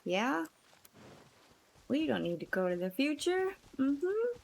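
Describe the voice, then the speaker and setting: A woman livestreamer giving casual game commentary and chatting to viewers in a soft, hesitant, musing manner. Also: high voice, very animated, slow, gravelly, a little hiss or hum.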